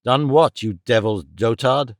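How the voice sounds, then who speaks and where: A man's voice: mid-range voice, unhurried, no echo, studio quality, natural voice. A man voicing a stern, cold-hearted moneylender who speaks in a grim, menacing way.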